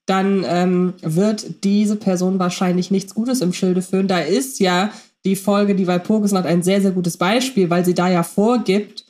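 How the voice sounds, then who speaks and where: A woman's voice: mid-range voice, steady tone, unhurried, few pauses, mellow. A woman co-hosting a casual fan podcast, reflecting in long winding sentences full of fillers. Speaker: podcast co-host.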